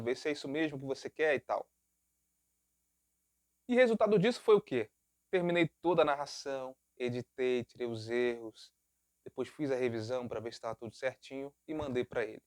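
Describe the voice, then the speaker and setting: A man's voice: a little high, no echo, studio quality. A man with a Brazilian Portuguese accent, a voice-over narrator giving casual advice and acting out bits of client talk. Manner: chatty, acts out client dialogue in quick asides.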